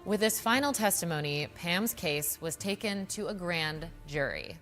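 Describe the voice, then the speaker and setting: A woman's voice: on the low side, very animated, measured pace, a bit bright, in a large hall. A woman hosting and narrating a scripted true crime documentary in a conversational way, with emphatic asides. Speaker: true crime show host. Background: background music.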